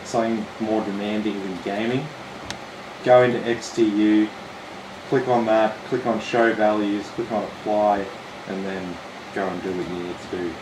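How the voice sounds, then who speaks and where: A relaxed Australian man with a slightly croaky, lowish voice explains a computer build step by step in a chatty live-stream manner. His voice carries a roomy echo. A steady air-conditioning hum runs behind him. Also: normal speed. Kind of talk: casual live-stream walkthrough.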